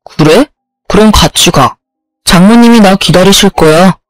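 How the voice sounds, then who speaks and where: A woman's voice: medium pitch, a little slow, no echo, close to an everyday voice. A woman voicing a self-centered young husband who curtly brushes off his wife's complaints. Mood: smug.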